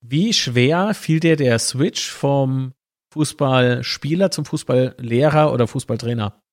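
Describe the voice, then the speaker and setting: Male host from the Palatinate, relaxed joking interviewer, middle pitch. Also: slow pace. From Palatinate, Germany. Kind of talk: interview, casual talk.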